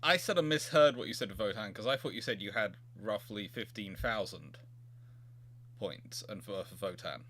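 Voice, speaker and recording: A man hosting a casual live question-and-answer chat, halting and musing aloud as he goes. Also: on the low side, fairly bright tone. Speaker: host of a naval history Q&A chat show.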